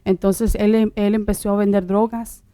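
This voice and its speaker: A middle-aged woman born in Uruguay telling her personal testimony in conversation, halting, with many fillers and restarts. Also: mid-range voice, flat delivery, dark tone, no echo. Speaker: guest sharing her testimony.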